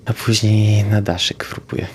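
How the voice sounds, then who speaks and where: A man, a player in a tabletop roleplaying game, haltingly narrating his own moves. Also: fairly low pitch, little pitch movement, darkish tone, breathy edge.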